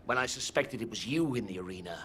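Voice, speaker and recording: An actor playing a resolute Roman military commander in a video game, measured, urgent and commanding. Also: male voice, lowish voice, animated, a bit bright, slight background noise. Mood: grave resolve. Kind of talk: dramatic video game acting.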